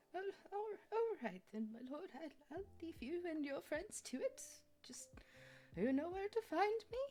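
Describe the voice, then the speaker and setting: Put-on character voice at an extremely high pitch, broken up by long, frequent pauses. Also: moderate pace. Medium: actual play. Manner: stammering, deferential.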